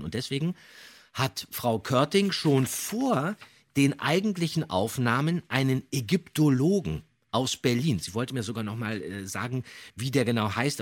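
Podcast guy telling a story, kinda husky, really lively pitch, loves dramatic emphasis. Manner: dramatic emphasis, builds suspense. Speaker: podcast co-host. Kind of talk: animated storytelling, podcast talk.

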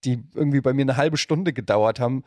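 A man's voice: medium pitch, quick pace, darkish tone, no echo. A middle-aged man hosting a casual interview in speech, rambling and often interrupting himself in a colloquial way. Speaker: podcast host and interviewer.

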